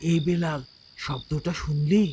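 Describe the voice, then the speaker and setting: A man voicing a fearful, uneasy young schoolboy in an animated horror story. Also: a little high, measured pace, noisy background, close to an everyday voice. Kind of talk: animated horror cartoon acting.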